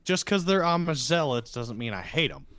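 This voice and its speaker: A man's voice: a little high, sing-song, normal speed, fairly bright tone, clean tone. A man talking casually as a player on a tabletop game podcast. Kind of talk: casual chat.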